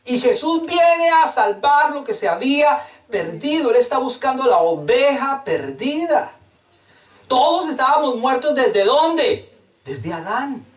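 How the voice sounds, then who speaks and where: A man's voice: extremely high pitch, very animated, measured pace. A man preaching a sermon, fervent and emphatic, with rhetorical questions and lots of repetition. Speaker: pastor. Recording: echoey room, mic at a distance.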